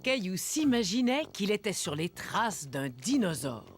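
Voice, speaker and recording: A woman giving scripted, gentle storybook-style narration for a children's cartoon, with music behind her. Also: mid-range voice, sing-song, unhurried. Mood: gentle storytelling.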